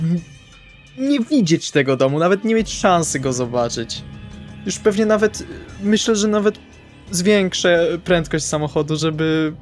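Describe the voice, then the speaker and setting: A man casually narrating his character's actions as a player in a tabletop roleplay. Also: a little high. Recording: faint music behind.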